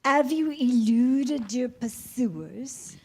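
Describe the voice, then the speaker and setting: A woman voicing a bossy, sassy car navigation system in a staged comedy reading, announcing deliberately. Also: sits high, expressive, mellow, husky, heavily acted. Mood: bossy, unflappable. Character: bossy female car GPS with sassy flair.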